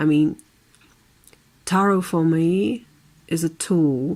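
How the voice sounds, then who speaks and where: A woman with a non-native accent speaks at a very slow pace. Her pitch is fairly low, with ordinary variation. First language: not English. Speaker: tarot reader. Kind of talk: casual vlog talk. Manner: halting, with many fillers.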